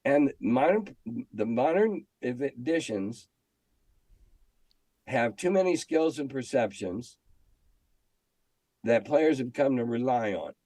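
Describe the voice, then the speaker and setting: A man's voice: medium pitch, animated, slow pace, pauses often, dark tone, dry recording, rough recording. An older American man answering in a conversational interview, telling stories and stressing his opinions with emphatic repetition. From United States. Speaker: interview guest, veteran game designer and editor.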